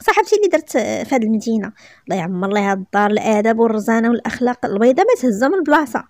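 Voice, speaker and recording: A woman's voice: on the high side, big pitch swings, racing, a little mellow, dry recording, studio quality. A woman voicing an older mother who speaks fondly and coaxingly in a read-aloud story. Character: warm older mother figure.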